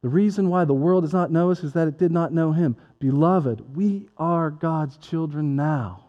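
A man's voice: on the high side, moderate pace. A man preaching a sermon as pastor, talking conversationally and joking with people in the congregation. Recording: dull lo-fi sound with long hall reverb.

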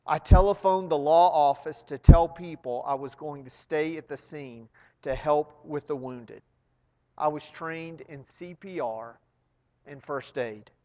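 A man preaching a sermon to his congregation, speaking earnestly and sinking to a hush at solemn moments. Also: a little high, big-room sound, muffled recording. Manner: slow, earnest, dropping to near whisper. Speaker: pastor.

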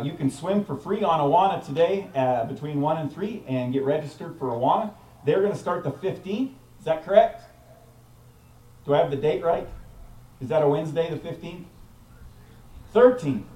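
A man's voice: on the high side, a little mellow, echoey room, far from the mic, rough recording. A man pastor preaching outdoors in a park, casual, with frequent fillers and restarts. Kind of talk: outdoor sermon.

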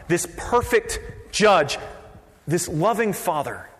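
A man preaching a sermon as pastor, conversational and lively, dropping to a quiet voice for emphasis. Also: high-pitched, slow pace. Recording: long reverb of a large hall.

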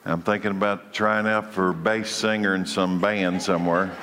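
A man's voice: deep voice, fairly even intonation, normal speed, a bit bright, in a large hall, a little hiss or hum. A congested man leading a church Bible study, preaching in a conversational way that often restarts his phrases. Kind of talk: church teaching session.

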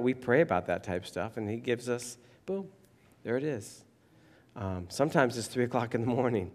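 A pastor with a hoarse, froggy voice, giving a casual, rambling sermon full of fillers. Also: male voice, mid-range voice. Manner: rambling, conversational, many fillers. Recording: hall reverb.

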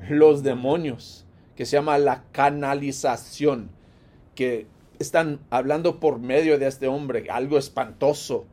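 A man preaching a sermon in an expressive way, rising loud and falling hushed, with frequent light laughs. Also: mid-range voice, slow.

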